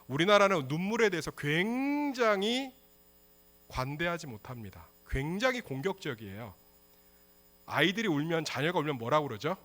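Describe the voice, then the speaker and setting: A male pastor preaching a sermon with passion, moving between hushed, quiet lines and loud outbursts. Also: a little high, very animated, moderate pace.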